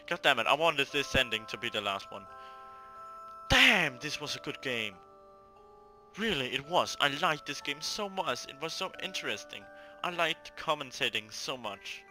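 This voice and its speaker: Expressive man doing excited gameplay commentary over music. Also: medium pitch. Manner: expressive, exclaiming. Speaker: let's player.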